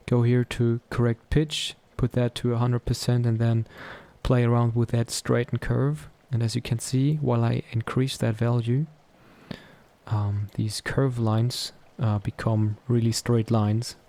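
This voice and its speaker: A man presenting a software tutorial in a casual, explanatory style. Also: medium pitch, flat delivery, unhurried.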